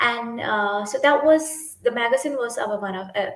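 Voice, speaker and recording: A woman's fairly high voice in a Sri Lankan accent, at a moderate pace, with noticeable background noise. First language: Sinhala. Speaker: youth climate activist. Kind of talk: livestream presentation. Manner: halting, many fillers.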